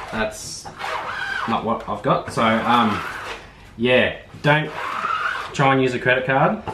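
A man's voice, with ordinary pitch variation, comes through over noticeable background noise. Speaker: DIY vlogger. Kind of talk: casual tutorial chat. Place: home room. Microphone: camera far.

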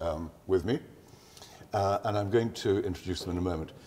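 The man's somewhat breathy voice moves with ordinary pitch variation. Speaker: webinar host. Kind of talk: casual chat. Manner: halting. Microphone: lapel.

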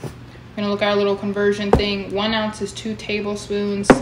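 A woman speaks over loud background noise. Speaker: home cooking show host. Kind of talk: casual cooking tutorial. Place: kitchen.

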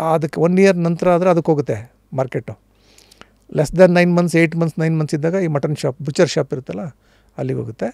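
Heard against a quiet background, the voice has a dark, mellow tone, a dry sound with no echo, and ordinary pitch variation. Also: man, fairly high pitch for a man. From Karnataka, Magadi taluk (rural, near Bengaluru); Karnataka. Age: 60s. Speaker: retired veterinarian; guest. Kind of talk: interview. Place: studio. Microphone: studio mic.

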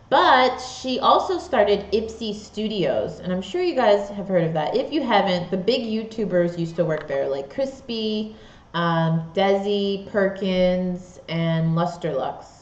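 A woman at a fairly slow pace with hardly any pauses, in a room with audible echo. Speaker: beauty YouTuber; beauty vlogger. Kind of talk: live stream chat. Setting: live stream at home. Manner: excitable. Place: home room.

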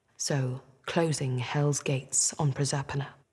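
The voice is somewhat breathy against a quiet background. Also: woman. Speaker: actor. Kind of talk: dramatic narration of myth. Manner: emotional, expressive. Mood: emotional, grave storytelling. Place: studio.

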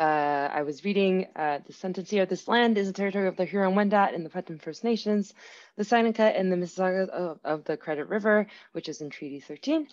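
A woman at a very fast pace, against a quiet background. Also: ordinary pitch variation. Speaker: workshop facilitator. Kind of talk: workshop presentation. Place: home room. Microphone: video call.

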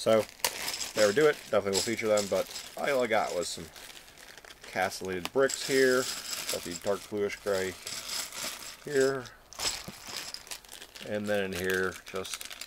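Against noticeable background noise, a man talks at a moderate pace with ordinary pitch variation and long, frequent pauses, the sound dry with no echo. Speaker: hobby vlogger. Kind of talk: casual vlog chat. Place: home room. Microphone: webcam.

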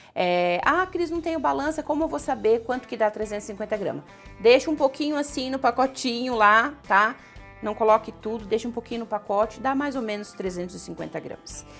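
Faint music sits in the background while a woman speaks at a moderate pace. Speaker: home cooking channel host. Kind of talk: tutorial. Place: kitchen.

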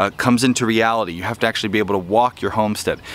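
A man talks at a very fast pace. The sound is dry with no echo. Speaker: homesteading vlogger. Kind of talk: casual vlog chat. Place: open country. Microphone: phone near.

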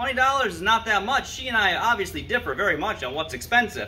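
A man's raised, projected voice at a moderate pace with ordinary pitch variation. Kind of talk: casual vlog chat. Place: street. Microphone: camera far.

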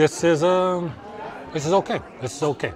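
Crowd noise fills the background as a man speaks at a moderate pace. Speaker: vlogger reviewing a restaurant. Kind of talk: casual vlog chat. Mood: relaxed, laughing. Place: cafe. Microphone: phone near.

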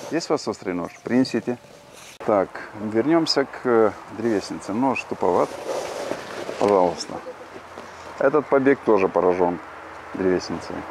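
Over noticeable background noise, a man with lively intonation speaks at a moderate pace with long, frequent pauses, the sound dry with no echo. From Moldova. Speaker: walnut farmer and orchard expert. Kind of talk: on-site instructional demonstration. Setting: outdoors in a garden plot. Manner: informal, explanatory. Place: garden. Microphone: phone near.

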